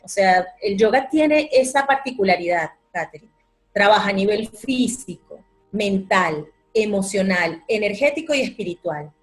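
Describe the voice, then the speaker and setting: A woman, a yoga teacher calmly explaining her practice in an interview. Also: medium pitch, moderate pace, soft background music. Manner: calm, explanatory, repeats words for emphasis. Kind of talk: interview answer.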